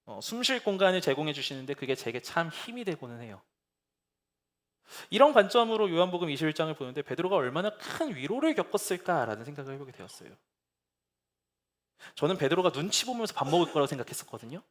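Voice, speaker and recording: A man with a high voice preaches in a church. He speaks earnestly, at times soft and consoling, at times fervent and pleading. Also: big pitch swings, fast. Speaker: pastor. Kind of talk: sermon. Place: church sanctuary.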